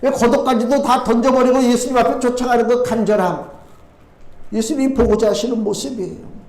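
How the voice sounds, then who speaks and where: Male pastor, high voice, Sunday sermon in a reverberant sanctuary; measured scripture reading, urgent preaching. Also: steady tone, a little mellow. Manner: reads scripture slower and lower, then preaches with rising urgency. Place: church sanctuary. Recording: echoey church sanctuary.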